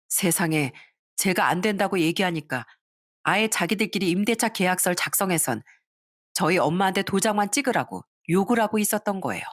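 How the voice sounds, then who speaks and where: A woman's voice: mid-range voice, dry recording, studio quality. A woman narrating her own story in a dramatic, indignant way.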